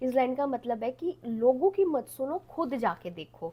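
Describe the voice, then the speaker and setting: A woman with a high pitch and lively intonation talks at a moderate pace. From India. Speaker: vlogger. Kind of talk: casual vlog talk.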